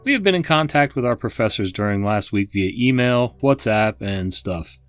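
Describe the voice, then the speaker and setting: A man narrates stories in a lively voice that rises and falls freely. He breaks off now and then for casual remarks to his viewers, with soft music under him. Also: on the low side, normal speed, clean tone, dry recording. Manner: animated storytelling, chatty asides to viewers. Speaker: host and narrator. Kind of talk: reading online stories aloud with asides.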